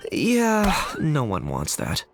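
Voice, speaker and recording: A man playing a matter-of-fact, deadpan tribal warrior in a fantasy game. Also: a little high, slow pace, very noisy, full character voice. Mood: dry. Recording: music behind the voice.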